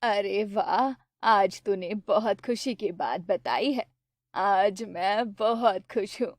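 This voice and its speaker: This is a gentle, worried old mother in a cartoon, coaxing her son along, as a woman puts her on. The voice is pitched clearly lower than her narration and drawn out slowly. It is dry and close, with no room sound. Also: dry recording, close to an everyday voice.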